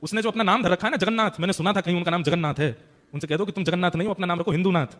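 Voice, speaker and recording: A man's voice: high voice, very fast, fairly bright tone. A man doing Kale Khan, a pleading devotee. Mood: indignant. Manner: agitated, pleading, emphatic. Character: devoted, pleading Muslim man, stubborn and lovesick.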